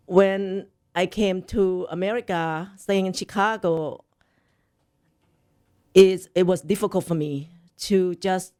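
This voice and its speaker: Sex: woman. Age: 60s. Origin: Thailand. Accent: Thai. Native language: Thai. Role: radio interview guest. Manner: cheerful, laughs often. Pitch: somewhat low. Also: darkish tone.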